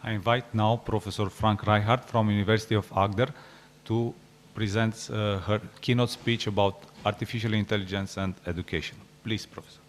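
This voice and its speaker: A man's voice: on the low side, fairly even intonation, brisk, few pauses, a little hiss or hum. A man moderating a conference, making brief formal announcements. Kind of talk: event moderation.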